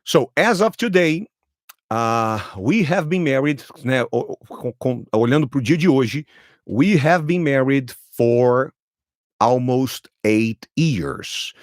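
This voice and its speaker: A man in his thirties with a Brazilian Portuguese accent, a native Portuguese speaker, tells his own story slowly as an English lesson, repeating and rephrasing each sentence for learners. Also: medium pitch, expressive, no room sound, studio quality. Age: 30s.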